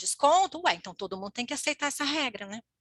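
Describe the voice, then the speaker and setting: A woman talks at a fairly quick pace with very wide pitch swings. Her tone is bright and sharp, and the sound is dry and close with no echo. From interior of São Paulo state, Brazil (Votuporanga, northwest). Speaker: lawyer, panelist. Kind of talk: panel talk at an online symposium. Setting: online symposium streamed on YouTube.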